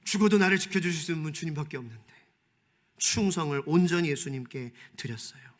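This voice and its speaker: A man's voice: on the high side, expressive, fast talker. A male pastor preaching a sermon, emphatic, asking the congregation rhetorical questions and moving between formal and casual speech.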